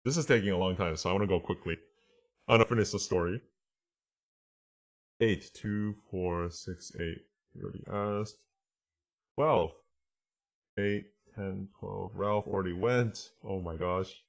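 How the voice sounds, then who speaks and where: A man's voice: low voice, a little slow, gravelly, pauses often. A man giving a casual online language lesson as the teacher, thinking aloud and often checking that listeners follow.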